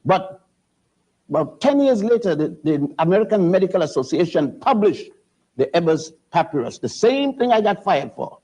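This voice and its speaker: An older man from Puerto Rico, a guest historian who lectures with halting restarts and spells words out letter by letter. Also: sits high, very animated, a little mellow, slightly rough. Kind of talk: lecturing TV interview. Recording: dull lo-fi TV audio.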